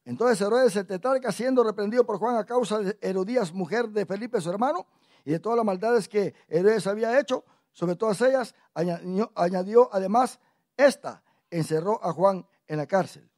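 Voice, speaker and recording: A male pastor teaching a Bible class in church, animated and often asking the congregation questions. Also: high voice, moderate pace, no room sound, clean studio sound.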